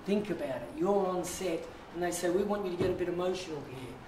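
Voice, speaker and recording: A man, an acting teacher guiding students through a warm-up, encouraging and drawn-out. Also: high voice. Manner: encouraging, coaching with drawn-out phrasing. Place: large echoey class studio. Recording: echoey room, distant mic, noisy.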